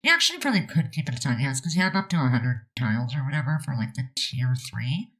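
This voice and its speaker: A woman's voice: very deep voice, sing-song, fast talker, a bit bright. A woman chatting casually over a building video, rambling with lots of fillers, her nose stuffed up. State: stuffed up, about to sneeze. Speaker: Sims builder narrating a speed build.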